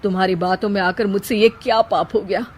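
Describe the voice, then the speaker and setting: A woman's voice: mid-range voice, steady tone, a little fast, darkish tone, slight background noise, lightly acted. A woman voicing a devoted young man in a storybook tale, earnest and emotional. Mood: remorseful. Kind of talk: storybook character voice.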